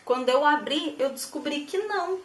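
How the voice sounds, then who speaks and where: A chatty woman explains writing in a relaxed, thinking-aloud way, full of little fillers. Her voice sits somewhat high. She sounds set back from the mic in an echoey room. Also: moderate pace, distant mic. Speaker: writer giving writing tips. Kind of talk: casual explanatory vlog.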